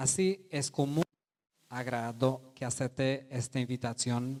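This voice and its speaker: Speaking very slowly with a Portuguese accent, a man keeps a medium pitch and fairly even intonation. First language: Portuguese (speaking Spanish). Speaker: museum director. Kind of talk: speech. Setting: exhibition opening. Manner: formal.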